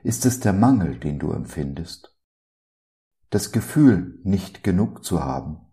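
A man's voice: low-pitched, expressive, unhurried, dark tone. A man hosting a devotional podcast, speaking in an earnest, preacherly way and asking many rhetorical questions. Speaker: podcast host.

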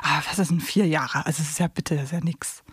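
A woman's voice: sits low, steady tone, fast talker, husky, dry recording. Woman in her thirties, close dry sound. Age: 30s. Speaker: podcast co-host. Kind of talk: casual chat. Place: podcast studio.

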